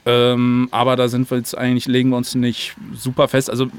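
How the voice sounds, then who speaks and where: A man from Germany with a mid-pitched voice speaks as a guest in a relaxed interview. His talk is colloquial and rambles loosely from one thought to the next. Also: a little fast, smooth. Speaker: audio drama maker, interview guest. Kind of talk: casual chat.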